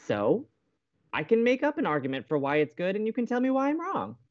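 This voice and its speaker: A man's voice: high voice, huge pitch swings, fairly quick, muffled recording. An actor playing a playful, mischievous young male college radio co-host, bantering in an audio drama. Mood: challenging, breezy. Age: young adult. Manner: teasing, mischievous.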